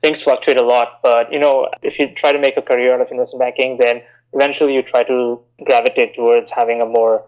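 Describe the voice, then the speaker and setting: An investment banker in his thirties, born in India and raised in Bahrain, answers interview questions as a guest in a measured, explanatory way, leaning often on "you know." His medium-pitched voice is delivered flatly with a darkish tone, and the audio sounds dull.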